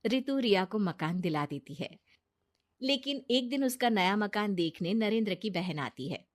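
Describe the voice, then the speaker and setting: Woman, storybook narrator, plain, steady, mid-pitched. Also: normal speed.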